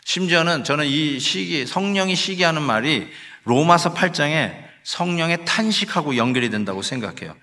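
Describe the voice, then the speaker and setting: A man's voice: a little high, animated, moderate pace, bright, forceful tone. A man preaching a sermon as pastor, in a conversational style that slips English phrases into his talk and acts out sighs and scolding. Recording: long hall reverb.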